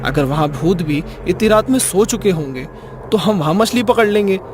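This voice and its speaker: A man's voice: high-pitched, expressive, moderate pace, background noise. A man voicing a curious, joking boy in casual cartoon story dialogue. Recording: music behind the voice.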